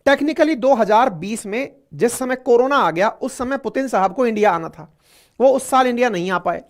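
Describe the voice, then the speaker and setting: A man's voice: very high-pitched, lively intonation, moderate pace. Chatty man explaining current affairs. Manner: chatty, repeats points, addresses listeners directly. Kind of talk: conversational explainer lecture.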